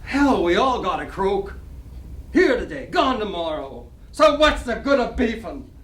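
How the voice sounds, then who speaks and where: A man's voice: sits high, sing-song, measured pace, fairly bright tone, full character voice. Echoey, distant man acting a wisecracking small-time gambler. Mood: bitter grief. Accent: American. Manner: slangy, wisecracking. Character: down-on-his-luck, boastful small-time New York gambler, wistfully grieving. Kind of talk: staged dramatic reading of a play. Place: library reading room. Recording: distant mic, echoey room, noisy.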